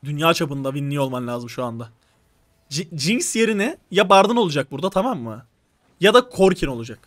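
High-pitched young guy yelling game tips, dry close sound. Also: a little fast, no echo. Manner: animated, urgent instructions, swears and laughs. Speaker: streamer coaching players. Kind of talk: live game coaching over voice chat.

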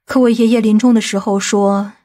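A woman voicing a composed, decisive aunt in an audiobook drama, measured and matter-of-fact. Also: mid-range voice, steady tone, dark tone, lightly acted. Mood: composed, explaining.

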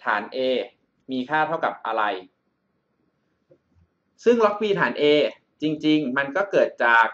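A man's voice: on the high side, very animated, slow pace, long pauses, a bit bright, highs cut off. A male math tutor talking through an exam problem over a screencast, often checking in with the listener. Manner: calls himself by a big-brother nickname, checks in with the student often. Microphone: voice-over on a screen recording.

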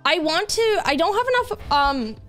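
A woman's voice: very high voice, sing-song, moderate pace, fairly bright tone, soft background music. A young adult woman streaming a game, chatting casually in a bubbly way with lots of filler words. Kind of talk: casual chat while playing a game.

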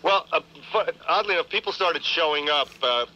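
A man talking on morning radio as the host's sidekick, in a dry, deadpan manner. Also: on the high side, a little fast, highs cut off.

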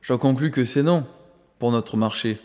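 A man's voice: mid-range voice, normal speed, darkish tone, lightly acted. A man voicing a heavyset, menacing man in a black suit who sneers with hidden tension. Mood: sneering. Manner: sneering, tense.

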